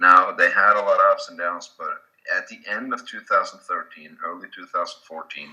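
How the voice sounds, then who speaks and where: This is a man speaking. He has a Swedish accent. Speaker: network marketing presenter. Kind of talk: sales presentation.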